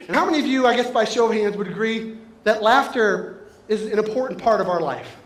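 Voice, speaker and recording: A man delivers a humorous motivational talk to a live audience in an event hall, his voice sitting high for a man. He is playful and keeps slipping into exaggerated comic voices. The room is echoey, with faint noise in the background. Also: animated, fairly quick. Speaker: motivational speaker.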